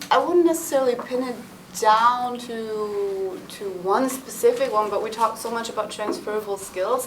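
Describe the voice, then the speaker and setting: A woman's voice: medium pitch, a bit bright, far from the mic, a little hiss or hum, low-quality recording. A young woman, a doctoral fellow, reflecting thoughtfully in a group discussion with hedging phrases. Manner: thoughtful, hedging, laughs easily. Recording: voice a bit off-mic.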